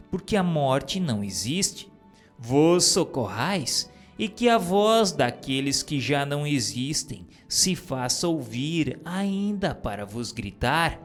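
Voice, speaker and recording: A man voicing a solemn divine male spirit who preaches in a grave, measured, declamatory way, with faint music underneath. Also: fairly high pitch. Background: soft music.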